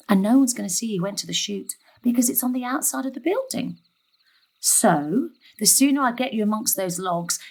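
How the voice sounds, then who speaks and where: Middle-aged mother in a stage thriller: highish voice, sardonic, chatty, coolly murderous. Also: poor audio. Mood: cold, wry. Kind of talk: dramatic stage-thriller monologue and dialogue.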